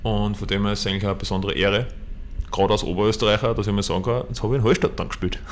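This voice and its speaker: In an Upper Austrian accent, a man with a fairly low pitch and vocal fry talks at a very fast pace with fairly even intonation, and audible room echo surrounds him. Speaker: band guitarist and bandleader. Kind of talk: casual interview. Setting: hotel room.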